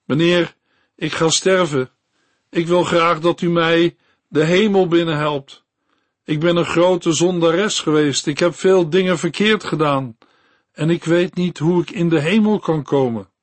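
A man doing a dying poor woman, desperate, crying out, raised pitch, dry close sound, storybook reading. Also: measured pace, no room sound.

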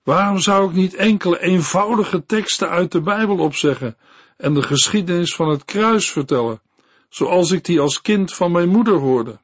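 A man's voice: sits high, normal speed, slightly rough, no echo, pitched above the performer's own voice. A man as a reflective church minister. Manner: reflective, gentle. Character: kindly minister, doctor of a big church.

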